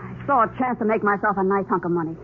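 Hard-boiled young American bad girl, played by an actress, slangy, unrepentant, quick, thin noisy vintage radio sound. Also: mid-range voice, natural voice. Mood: sullen confessing. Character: tough, defiant young female dancer turned killer. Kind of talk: 1940s radio crime drama acting. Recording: noisy, narrow-band 1940s radio recording.

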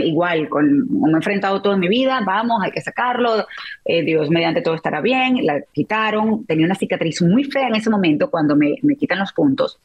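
A woman's voice: on the low side, darkish tone, slightly rough, muffled recording. A middle-aged woman, a guest on an interview show, telling a personal story in an emotional, reflective way and often restarting her sentences.

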